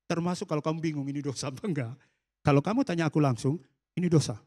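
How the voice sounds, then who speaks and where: A man's voice: fairly high pitch, fast talker. A man with an Indonesian accent preaching a sermon, telling a personal story and slipping English phrases into his talk. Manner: storytelling, mixing in English phrases, acting out quoted dialogue softly. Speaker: pastor. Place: church service hall.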